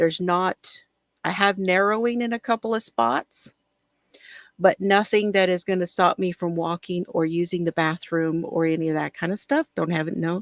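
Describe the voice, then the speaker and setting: A plain, everyday voice at a moderate pace with ordinary pitch variation, dry and close with no echo, in a very clean recording over a silent background. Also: woman, medium pitch for a woman. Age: 60s. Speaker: crafting and true crime livestream host. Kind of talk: casual livestream chat.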